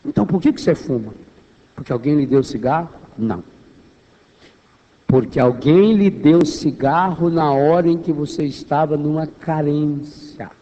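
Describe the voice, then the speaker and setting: High-voiced Brazilian preacher in an echoing hall. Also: male voice, moderate pace, warm tone, dull audio. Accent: Brazilian Portuguese. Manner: emphatic, rhetorical questions, repeats phrases for weight. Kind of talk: charismatic sermon to a congregation. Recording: echoey hall, long reverberation.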